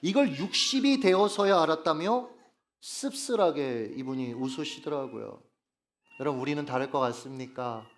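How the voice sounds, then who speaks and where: A man's voice: fairly high pitch, expressive, normal speed. A male pastor preaching a Sunday sermon at a church worship service. He is earnest and emphatic, often putting rhetorical questions to the congregation. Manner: earnest and emphatic, stressing key phrases.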